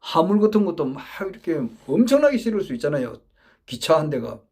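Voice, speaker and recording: High, lively-voiced man lecturing emphatically. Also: fairly quick, breathy edge. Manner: emphatic, repetitive, often restarting phrases. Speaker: political supporter giving a talk. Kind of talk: earnest monologue lecture.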